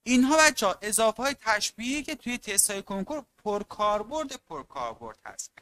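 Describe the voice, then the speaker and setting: A teacher giving an online exam-prep literature lesson, stressing key terms by drawing them out slowly and calling often on the students. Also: mid-range voice, sing-song, a bit bright. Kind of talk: online class lecture.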